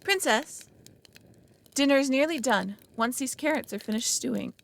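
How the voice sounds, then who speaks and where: A woman playing an anxious, possessive dragon in an ASMR roleplay, halting and formal, often dropping into breathy half-whispers. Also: high-pitched, animated. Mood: coaxing. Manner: halting, earnest, formal wording. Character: anxious, lonely, possessive female dragon, awkwardly smitten. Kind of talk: ASMR roleplay audio drama.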